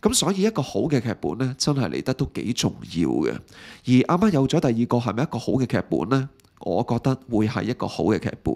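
With vocal fry and very wide pitch swings around a medium pitch, a man talks at a fairly quick pace in a very clean, silent-background recording with a dry, close sound and no echo. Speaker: film commentary youtuber. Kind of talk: casual monologue. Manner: halting, many filler sounds.

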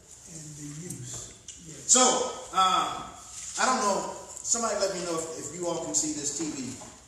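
A man talks at a moderate pace with ordinary pitch variation, in strong room echo with light background noise. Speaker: pastor. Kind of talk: bible study lesson. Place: hall. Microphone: camera far.

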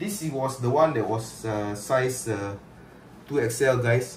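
A man with a Singaporean accent speaks at a fairly slow pace, with audible room echo and light background noise. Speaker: fishing YouTuber. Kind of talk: product review. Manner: casual, halting with fillers. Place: home room. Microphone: camera far.

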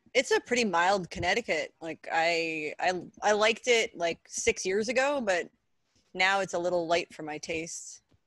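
Speaking with an American accent at a medium pitch and a moderate pace, a woman uses ordinary pitch variation, with a dry sound with no echo and a quiet background. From US Midwest. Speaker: cigar enthusiast. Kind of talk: casual chat. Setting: video call. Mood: relaxed, chatty. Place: home room.

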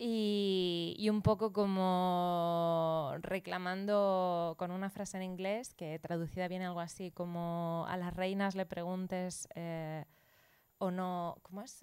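A woman speaks in a fairly low pitch with fairly even intonation. The recording is very clean, with a silent background. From Murcia, Spain. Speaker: artist. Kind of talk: panel talk. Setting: venue with live audience.

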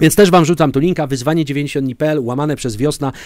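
With an animated tone and a fairly high pitch, a man talks at a very fast pace with ordinary pitch variation, the sound dry with no echo over a quiet background. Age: 40s. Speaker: motivational speaker. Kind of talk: live-streamed motivational lecture. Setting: livestream. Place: home room. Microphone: webcam.

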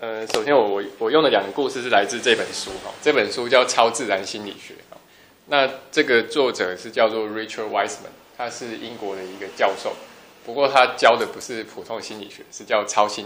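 Amid noticeable background noise and audible room echo, a man talks at a fairly quick pace and medium pitch, with fairly even intonation and big swings in loudness. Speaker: spiritual course teacher. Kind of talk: lecture.

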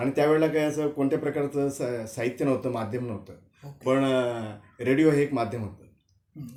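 This man has an unremarkable speaking voice at a medium pitch. His intonation is fairly even. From Maharashtra, Jalgaon district (Amalner taluka village). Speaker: retired teacher and amateur singer. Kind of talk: interview.

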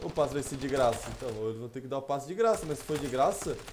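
The intonation is lively. Light background noise can be heard. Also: man. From southern Brazil. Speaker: gaming streamer. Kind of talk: casual livestream chat with viewers. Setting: live stream with screen share. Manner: animated, chatty. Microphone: headset.

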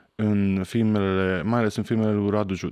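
Against a quiet background, a man with a Hungarian accent talks in a fairly low pitch, and the sound is dry with no echo. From Szekler Land, Romania (Târgu Secuiesc); Romania. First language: Hungarian (speaking Romanian). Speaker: film crew member and cook; podcast guest. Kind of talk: casual chat. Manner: halting. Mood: relaxed, storytelling. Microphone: studio mic.

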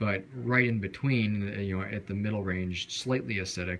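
The voice moves at a moderate pace with ordinary pitch variation over light background noise. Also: man. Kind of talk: casual explanatory tutorial. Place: home room. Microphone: phone near.

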